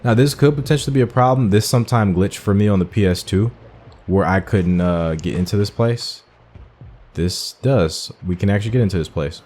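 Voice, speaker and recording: A man's voice: on the low side, fairly quick, darkish tone. A man giving casual, informal playthrough commentary as a gaming video host, thinking aloud as he goes.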